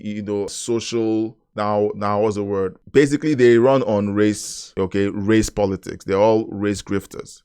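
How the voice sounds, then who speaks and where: A man hosting a reaction channel, giving animated political commentary and talking to his chat, often rising into emphatic loud stretches. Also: lowish voice, clean tone.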